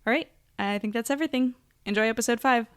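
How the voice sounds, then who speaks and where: A woman's voice: on the high side, fast, clean tone, dry recording, clean studio sound. A woman hosting a podcast, giving a friendly, informal scripted announcement. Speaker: podcast host and voice actor.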